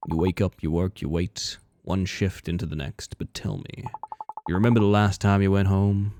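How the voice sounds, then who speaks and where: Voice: sits low, level tone, normal speed, background noise, voice pushed down. A streamer voicing an eerie male late-night customer in a video game, probing and ominous in a musing way. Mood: probing, menacing. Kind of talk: acted video game dialogue reading.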